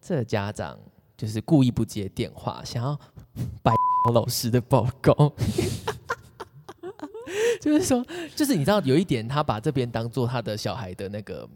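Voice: medium pitch, huge pitch swings, normal speed, darkish tone. A podcast host who chats casually and throws in teasing quips.

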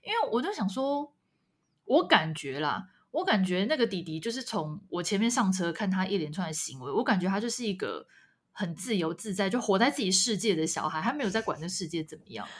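A woman co-hosting a casual chat podcast, telling a story with lively delivery and acted-out quotes. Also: mid-range voice, brisk, slightly rough. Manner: animated, acts out quoted voices. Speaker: podcast co-host.

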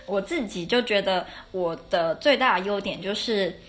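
Soft music plays behind a young adult woman talking casually about her classes on a solo podcast. Her voice is medium in pitch and a bit bright, her pace normal, and she frequently corrects herself with the odd laugh.

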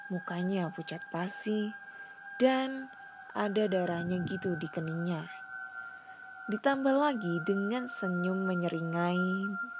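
A young woman narrating a first-person horror story in slangy, casual, dramatic storytelling over a noisy recording. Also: on the low side. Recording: noisy background hiss.

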